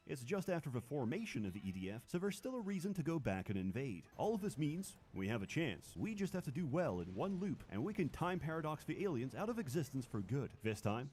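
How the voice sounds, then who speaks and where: A man's voice: mid-range voice, darkish tone, breathy edge. A man narrating a scripted comedic video with dry sarcasm and some swearing. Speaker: YouTuber narrating a game review.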